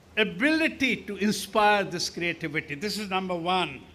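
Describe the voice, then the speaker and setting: A man projects his voice in a raised, high-pitched delivery. His tone is bright and sharp, and his pace fairly slow. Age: 80s+. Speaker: architect. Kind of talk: speech. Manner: halting.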